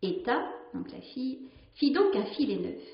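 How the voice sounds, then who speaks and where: A woman with a somewhat high voice reads a story aloud, calm and gentle. The recording is roomy and a little dull. She speaks like a nun sharing a tale and then musing on it. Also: unhurried, creaky. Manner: gentle, hesitant with fillers when speaking freely. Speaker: nun reading a story to listeners. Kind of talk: story reading and spiritual reflection.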